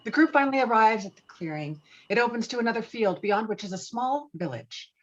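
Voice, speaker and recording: A woman's voice: a little high, animated, a little fast. A woman reading stage directions as narrator of a screenplay table read, on slightly muffled online call audio.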